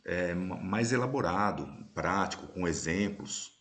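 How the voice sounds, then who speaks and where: A man with a very low voice hosts a relaxed live-stream conversation over a video call. He explains patiently and keeps asking his listeners whether they are following. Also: a little slow. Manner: explanatory, often ending sentences with "né?". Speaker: host and course instructor. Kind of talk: casual live-stream chat.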